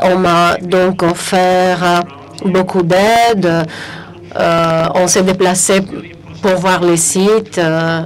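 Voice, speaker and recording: A woman with a non-native accent at a very slow pace and with monotone, flat intonation, amid audible room echo and noticeable background noise. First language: not French (speaking French). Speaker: heritage expert. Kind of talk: conference talk. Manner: halting, many hesitations.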